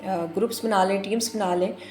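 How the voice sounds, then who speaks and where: A woman recording a lesson for primary teachers, repeating each word slowly and mixing English with Urdu. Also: mid-range voice, fairly even intonation, a little mellow, soft background music. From Pakistan. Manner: slow and deliberate, repeats words and mixes English with Urdu.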